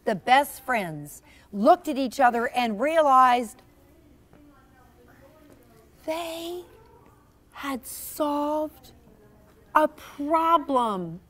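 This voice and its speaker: A woman reading a children's story aloud to young listeners in an animated, teacherly way, prompting them with questions. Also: sits high, extremely slow, pauses often. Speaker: storyteller reading own children's book to a class. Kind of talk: interactive children's read-aloud.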